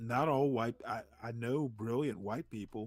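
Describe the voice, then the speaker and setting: At a fairly slow pace, a man talks in a dry, close sound with no echo. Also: very clean recording, silent background. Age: 60s. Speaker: landlord and YouTuber. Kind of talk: heated debate. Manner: animated.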